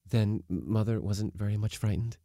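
A man's voice: fairly low pitch, moderate pace, dark tone, dry recording, studio quality, lightly acted. A man voicing a distressed, timid young daughter in an audiobook story, faltering and pleading.

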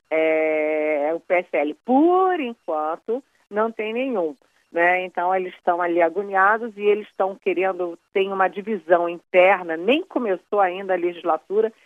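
A woman's voice: medium pitch, no echo. Brazilian woman on a tinny phone line. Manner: conversational, explanatory, with frequent fillers. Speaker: political commentator. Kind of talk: analysis on a radio news show. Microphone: phone call.

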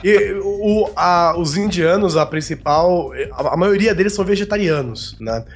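A man's voice: high voice, measured pace. A man with a Brazilian accent co-hosting a casual podcast, explaining things conversationally and often checking in with short tag questions. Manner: explanatory, tagging statements with "né". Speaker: podcast host. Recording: music bed under the voice. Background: background music.

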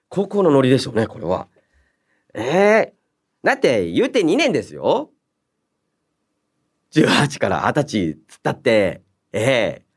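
Animated man hosting a radio show. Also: a little high. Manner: playful, polite, animated delivery. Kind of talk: chatty radio show hosting, reading announcements and listener mail. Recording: voice over background music. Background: background music.

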